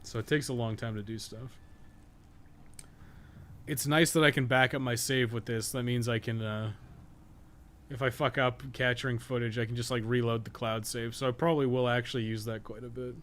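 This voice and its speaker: A man giving casual live game-stream commentary, swearing freely and talking to viewers in a halting, colloquial, thinking-aloud way. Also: mid-range voice, steady tone, fairly bright tone. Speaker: game streamer and guide maker. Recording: clear background noise and ambience.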